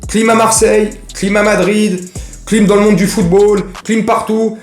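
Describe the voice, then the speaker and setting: A man's voice: high-pitched, flat delivery, unhurried, faint music behind. Slangy, joking football vlogger man, echoey room. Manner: rambling, joking, slangy, talks straight to viewers. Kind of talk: casual mercato chat to camera.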